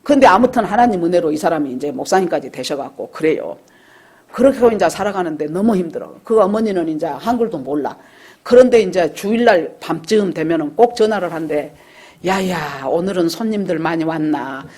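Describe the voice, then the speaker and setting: A woman's voice: fairly low pitch, animated, brisk, a little mellow, husky. A woman pastor preaching a sermon at a church service, telling stories and acting out the people in them. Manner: storytelling, acting out quoted dialogue.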